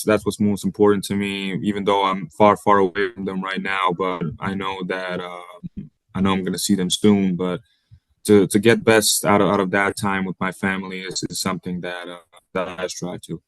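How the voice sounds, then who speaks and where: A young man from Bosnia, Bosnian native, speaking English as a college basketball player in an interview, halting and repeating words as he searches for them. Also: sits low, little pitch movement, a bit bright, clean tone, dry recording, rough recording. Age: young adult. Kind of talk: interview answers.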